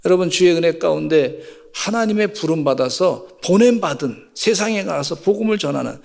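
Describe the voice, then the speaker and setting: A middle-aged male pastor delivers a sermon, his slightly high voice carrying a gravelly edge. He moves between folksy storytelling and fervent exhortation. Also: big-room sound.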